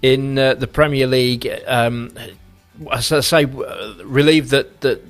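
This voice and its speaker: A man's voice: mid-range voice, fairly even intonation, measured pace, soft background music. Chatty man hosting a radio football segment. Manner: chatty, teasing, loose with fillers. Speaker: radio presenter.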